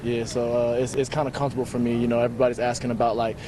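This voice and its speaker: A man's voice: mid-range voice, monotone, rapid-fire, noisy background. A man answering interview questions as a football player. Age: 20s.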